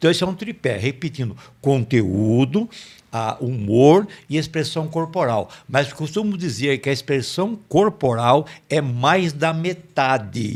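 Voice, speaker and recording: On a very clean recording with a silent background, a man with a fairly high pitch and a rural São Paulo accent talks at a fairly slow pace with lively intonation. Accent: São Paulo countryside (caipira). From interior of São Paulo state, Brazil (Itapeva). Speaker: professional speaker. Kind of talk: interview.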